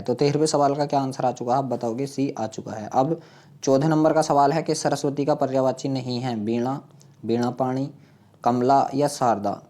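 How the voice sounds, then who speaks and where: A man's voice: medium pitch, dark tone. A man giving an exam-prep grammar lesson as a teacher, posing questions to listeners and repeating points as he explains. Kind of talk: Hindi grammar quiz lesson, question and answer.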